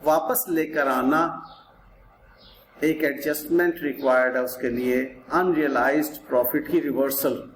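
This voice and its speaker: A man's voice: medium pitch, fairly even intonation, unhurried. A man with a Pakistani accent lecturing as an accounting teacher, explaining step by step in a didactic way, repeating points and posing rhetorical questions. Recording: roomy echo with clear background noise.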